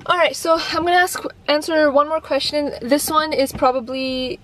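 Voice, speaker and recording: A young woman in her early twenties with a high voice talks to camera from the driver's seat of a parked car. She rambles easily through viewer questions, dropping plenty of "um"s and "like"s and restarting her sentences. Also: moderate pace, a bit bright, slight background noise, poor audio. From Canada. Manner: chatty, many fillers and restarts. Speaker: YouTuber answering viewer questions. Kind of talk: casual Q&A vlog. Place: parked car, indoors of vehicle. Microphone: camera on dashboard, facing her.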